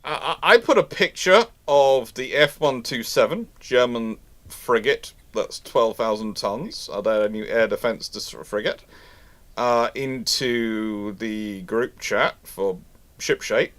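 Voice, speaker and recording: A man hosts a casual livestream, reading out questions and answering them off the cuff. His voice sits at an average pitch, and he talks in a halting, rambling way, doubling back on his words. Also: fairly bright tone. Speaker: host of a live naval history Q&A.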